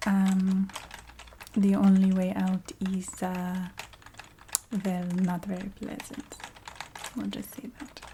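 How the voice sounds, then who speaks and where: A woman playing a courteous, matter-of-fact vampire receptionist in a soft-spoken ASMR roleplay, half-whispering in a put-on Eastern European accent with halting, formal phrasing. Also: mid-range voice, monotone, background noise. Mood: matter-of-fact, approving. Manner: halting, formal phrasing with small hesitant hums.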